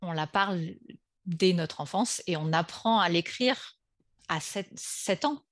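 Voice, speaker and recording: A woman who teaches languages, hosting an interview and talking in a lively way. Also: lowish voice, takes it slowly, dry recording, studio quality. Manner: lively, animated when acting out examples. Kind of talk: interview conversation.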